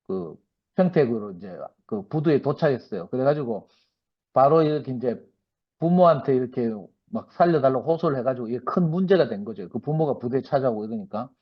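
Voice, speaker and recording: A middle-aged man with a Gyeongsang Korean accent gives a personal testimony at a church meeting. He tells his story in an animated way and acts out the dialogue. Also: medium pitch. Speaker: church member giving testimony. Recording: dull lo-fi recording.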